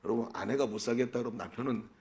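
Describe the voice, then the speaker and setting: A man's voice: mid-range voice, rapid-fire, a little mellow. A middle-aged male pastor preaching a sermon, asking the congregation questions and answering them himself.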